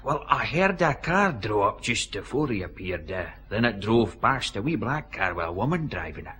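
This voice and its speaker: An actor playing a sly, easygoing jailed newspaper seller with a Scottish accent in a radio detective drama. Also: male voice, on the low side, big pitch swings, moderate pace, fairly bright tone, husky, exaggerated voice. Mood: wheedling. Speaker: small-time drunk informant.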